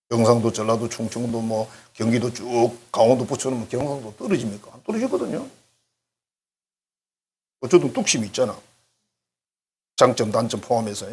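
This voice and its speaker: Husky, lively pastor preaching conversationally. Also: male voice, mid-range voice. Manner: conversational, joking, acts out little dialogues. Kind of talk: sermon. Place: church sanctuary.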